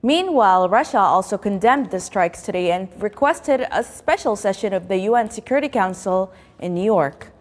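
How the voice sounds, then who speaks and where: A long reverb surrounds the voice of a woman presenting the news. Her pitch sits in the middle range for a woman. She reads from a script in the formal style of a broadcast bulletin. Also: animated, moderate pace, few pauses.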